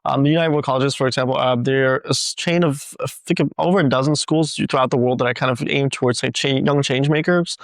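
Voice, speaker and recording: A young man from the Netherlands, a student guest in a casual interview, talking quickly with many fillers. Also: mid-range voice, steady tone, no room sound. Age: young adult.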